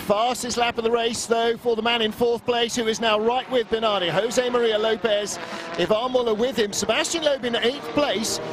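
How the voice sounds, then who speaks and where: A man giving live motorsport commentary as a race commentator, describing the action emphatically with repeated phrases. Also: high-pitched. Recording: loud car and engine noise behind.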